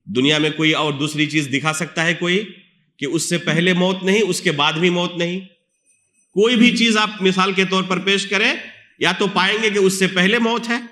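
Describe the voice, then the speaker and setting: A man's voice: sits high, bright, forceful tone. A man with an Indian Urdu accent giving a religious lecture in a mosque, teaching patiently and putting questions to his listeners before answering them himself. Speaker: Islamic scholar. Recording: echoey mosque hall.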